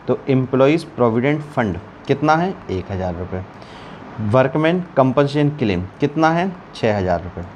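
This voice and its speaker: Teaching an online accountancy class, a man with a slightly high voice works out sums aloud as he writes, teasing his students and calling them beta in a chatty way. A faint hiss or hum runs under his voice.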